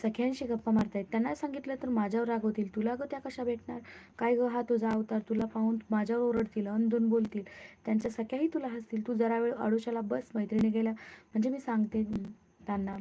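A woman's voice: fairly high pitch, steady tone, fast talker, warm tone. A woman voicing a timid young palace maid who speaks in a worried, questioning way. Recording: muffled lo-fi recording.

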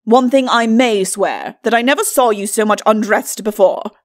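A woman voicing a pompous, aching skeleton lord, a muddled old drunk with a rough voice and indignant bluster. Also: a little high, normal speed, no echo, studio quality, natural voice.

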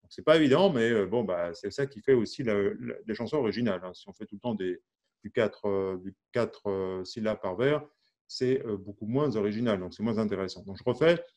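A man whose voice sits on the low side, brisk and a little mellow, gives a casual online music class. Between chatty asides and fillers, he counts beats and sings syllables over an instrument.

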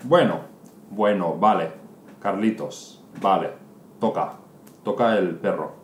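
A man's voice: low voice, slow pace. A man voicing a worried, protective mother who scolds her son emphatically, recorded in a roomy space. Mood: giving in. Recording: roomy room, faint noise.

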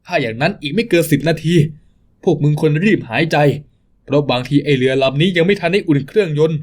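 Casting: man reading a fierce young father, brash and defiant, voice raised and lively. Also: on the high side, quick pace. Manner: defiant, cursing back at captors. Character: defiant young man protecting his small son.

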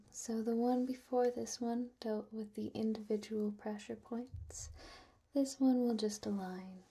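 A young woman doing a soft-spoken ASMR roleplay as an apothecary, hushed and gentle, often close to a whisper into a near microphone. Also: mid-range voice. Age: young adult. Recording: clear background noise with clicks.

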